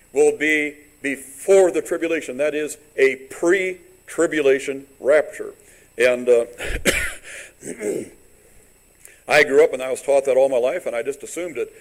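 A man preaching in a church with a rough voice and a mid-range pitch. He often halts, fills gaps with "uh" and restarts his sentences. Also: poor audio. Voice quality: halting, with many fillers and restarts. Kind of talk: sermon. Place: church sanctuary.

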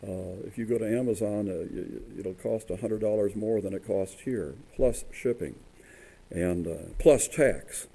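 Halting man preaching a sermon, voice rough. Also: fairly low pitch, dark tone. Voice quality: halting, with many fillers and restarts. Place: church sanctuary.

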